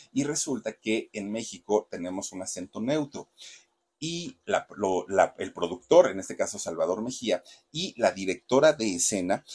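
Guy spilling celeb gossip, low husky voice, super animated. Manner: chatty, dramatic, addresses viewers directly. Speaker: host. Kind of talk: gossip storytelling.

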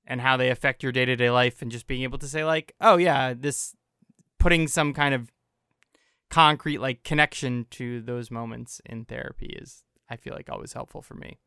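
A man's voice: mid-range voice, steady tone, normal speed, bright, forceful tone, smooth, no room sound, clean studio sound. A man talking in a casual, reflective way, using lots of "like" as fillers. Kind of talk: casual conversation.

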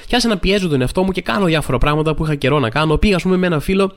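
Rambling, chatty podcast host, a man. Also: lively intonation. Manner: chatty, rambling, full of fillers and restarts; acts out quoted people with sudden pitch jumps. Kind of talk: casual comedic monologue podcast.

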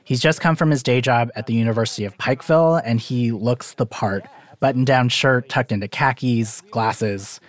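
A man's voice: mid-range voice, moderate pace. A man hosting and reporting a podcast, narrating a documentary story in a conversational, lightly self-deprecating way.

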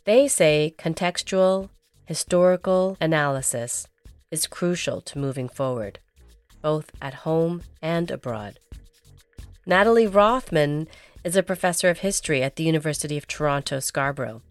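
A woman radio host reading a scripted introduction and then interviewing guests in a calm, gentle, carefully paced way. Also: low-pitched, moderate pace, clear, resonant tone, no room sound, faint music behind.

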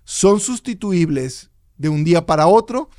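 A man's voice: sits high, a little slow. A man with a Mexican accent, co-hosting a casual advice podcast and explaining his points through acted-out workplace scenarios. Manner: animated, acts out workplace scenarios. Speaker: podcast co-host.

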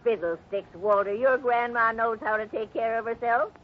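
Woman acting a feisty high-pitched old grandma. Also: moderate pace, natural voice. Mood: spirited. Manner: folksy old-fashioned slang, scolding and playful. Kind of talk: 1950s radio serial acting. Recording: muffled, noisy old radio recording.

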